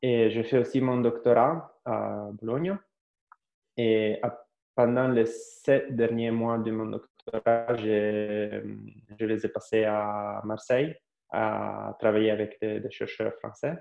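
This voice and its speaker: An Italian-accented man in his thirties speaks French in a low, flat voice, searching for words and circling back on his sentences. The sound is roomy and dull, like lo-fi live-stream audio. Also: takes it slowly, gravelly. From Italy. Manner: hesitant, many fillers and restarts. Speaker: astrophysicist guest. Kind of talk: interview answers.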